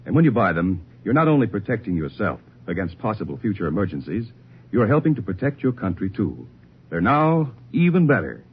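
A man's voice: fairly low pitch, big pitch swings, brisk, slight background noise. A man reading a persuasive scripted advertisement in 1950s radio announcer style. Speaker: public-service advertisement announcer. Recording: dull 1950s radio recording.

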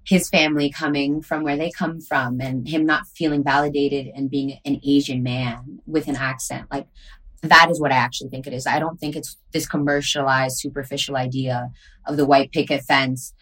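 A woman's voice: very deep voice, level tone, moderate pace, a bit bright, low-quality recording. A woman hosting a casual chat, talking in an earnest, reflective way with many "like" fillers.

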